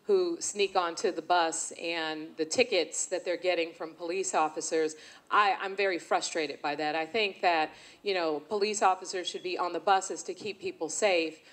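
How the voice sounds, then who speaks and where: A woman from San Francisco, a mayoral candidate, giving an earnest, measured debate answer and sometimes stumbling over names. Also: fairly low pitch, steady tone, fairly bright tone. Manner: earnest and measured, slightly tongue-tied.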